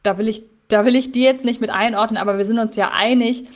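A woman co-hosting a casual podcast, thinking out loud. She hesitates often, restarting phrases and filling pauses as she weighs her views. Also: on the high side, steady tone. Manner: thoughtful, hesitant with many fillers. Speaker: podcast co-host.

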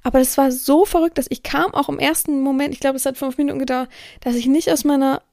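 A woman's voice: high voice, steady tone, fast, vocal fry, darkish tone, no room sound, studio quality. A woman hosting a podcast as a dominatrix, talking in a rambling, self-correcting monologue. She acts out what people said and sometimes drops to a whisper. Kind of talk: casual spoken monologue. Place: indoor room with an air filter running. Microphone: close studio-style mic, audio only.

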